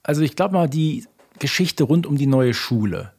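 A man's voice: a little high, lively intonation, normal speed, darkish tone, breathy edge. A man co-hosting a casual discussion, agreeing and commenting in an emphatic way. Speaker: podcast co-host.

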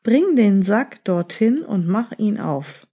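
A woman voicing a deceitful grown man in a children's story, speaking calmly and slowly in her own soft, husky voice. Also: medium pitch, full character voice. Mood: scheming.

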